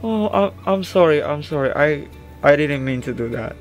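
A man's voice: on the high side, animated, moderate pace. A young man from the Philippines chatting shyly and apologetically on a video call between songs. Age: young adult. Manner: soft-spoken, bashful, apologetic. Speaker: street-style singer on video chat. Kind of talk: casual chat between songs. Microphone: computer mic on a video call. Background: acoustic guitar playing.

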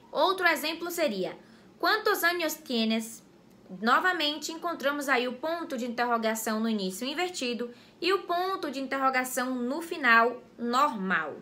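A woman with a Brazilian Portuguese accent explaining a grammar lesson in a clear, didactic way, speaking directly to viewers. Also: high voice, sharp tone. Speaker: teacher. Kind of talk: educational explainer video.

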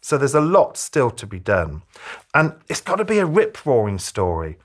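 A man in his fifties giving advice to camera as a children's author, speaking emphatically like a storyteller, with deliberate pauses. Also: mid-range voice, wildly swooping pitch. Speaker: children's author giving reading tips to parents. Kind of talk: direct-to-camera advice talk, presentational. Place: small furnished room, indoors.

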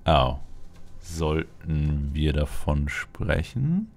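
A man's voice: extremely low pitch, very animated, very slow, vocal fry, a little mellow. A man hosting a Let's Play, giving casual in-character gameplay commentary and musing playfully aloud. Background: game music.

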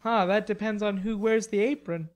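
Woman doing a teasing, mock-lofty young gentleman. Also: medium pitch, steady tone, normal speed, natural voice. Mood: playful. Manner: airy, mock-superior banter.

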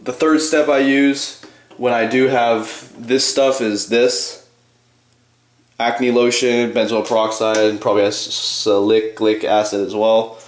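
Male vlogger, twenties, lowish voice, offhand and informal, casual rambling delivery, echoey small bathroom sound. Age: 20s. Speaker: bodybuilding vlogger. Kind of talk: casual rambling vlog to viewers. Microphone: handheld camcorder at arm's length.

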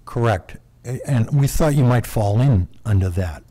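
A man's voice: mid-range voice, expressive, moderate pace, dark tone. A man explaining findings formally as a board member at a public meeting in a small room.

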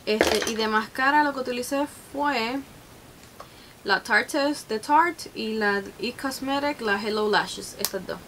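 A young woman talks through her makeup routine with a slightly high voice. She speaks slowly and gets excitable, mixing English exclamations into her chat. A faint hiss sits under the recording. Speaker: makeup vlogger. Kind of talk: casual makeup tutorial chat.

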